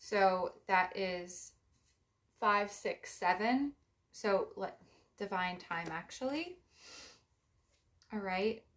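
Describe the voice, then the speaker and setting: A young woman with a raspy voice giving a casual spiritual card reading, meandering with gentle advice. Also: mid-range voice, animated, extremely slow, pauses often. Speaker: psychic card reader.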